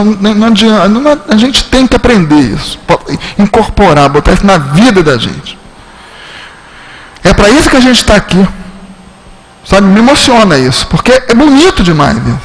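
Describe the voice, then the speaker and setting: A man's voice: slightly rough, rough recording. A man with a Rio de Janeiro Portuguese accent giving a spiritist lecture, telling a story and acting out the dialogue. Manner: animated storytelling, acts out dialogue with shifting pitch. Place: spiritist centre lecture hall.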